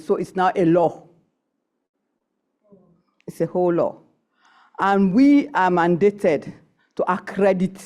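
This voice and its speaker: A middle-aged woman who works as a nurse and sits on a council offers an impromptu comment during a conference session. Her delivery is deliberate, emphatic and halting, with a fairly low pitch and a darkish tone.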